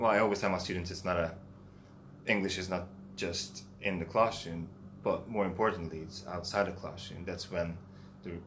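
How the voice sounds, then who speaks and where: In a non-native accent, a man with a very deep, low pitch talks at a moderate pace in a flat monotone, pausing long and often, with audible room echo. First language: not English. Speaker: English teacher, director of studies. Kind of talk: casual discussion. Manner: halting, repeats words.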